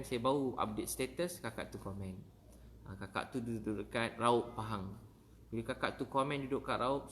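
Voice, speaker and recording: Male preacher with a Malaysian Malay accent, mid-pitched, chatty anecdotal Ramadan talk, light noise under the voice. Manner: warm storytelling, repeats phrases.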